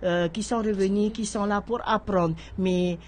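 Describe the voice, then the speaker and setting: Seated at a studio microphone on a stand, a middle-aged woman who heads a horticulture association answers radio interview questions. She often stops, restarts, and repeats words, hunting for what to say. Her mid-range voice is a little mellow, unhurried, with fairly even intonation.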